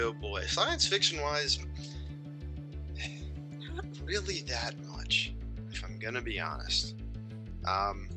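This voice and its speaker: A man co-hosting a podcast in an easygoing, playful way. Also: mid-range voice. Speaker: podcast co-host. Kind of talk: casual podcast chat.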